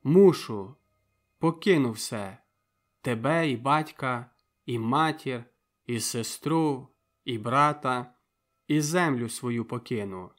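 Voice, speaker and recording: A man's voice: mid-range voice, lively intonation, slow, soft background music. A man voicing an anguished young man who is forced to leave his beloved, speaking in heavy, broken exclamations. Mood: pained resolve.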